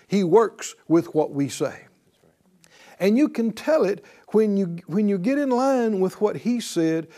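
A man preaching to his congregation, his high voice leaping up and down with lively swings of pitch. He takes his time, hammering phrases through repetition and calling for the crowd to answer back. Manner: exhorting, call-and-response with congregation; repeats phrases for emphasis. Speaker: pastor. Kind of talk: sermon.

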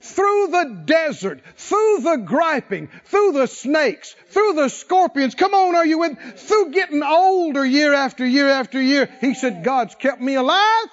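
A man's voice: very high-pitched, lively intonation, unhurried, few pauses, lo-fi sound. A man preaching a sermon in a church, telling the story in a folksy way and calling for responses from the congregation. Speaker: pastor.

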